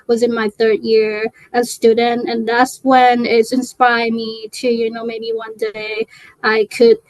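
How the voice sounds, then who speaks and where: A woman's voice: fairly high pitch, little pitch movement, a little slow, no echo, rough recording. A young woman from Thailand, a native Thai speaker, chatting in an interview and talking hesitantly with many fillers and restarts. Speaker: guest. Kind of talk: casual interview chat.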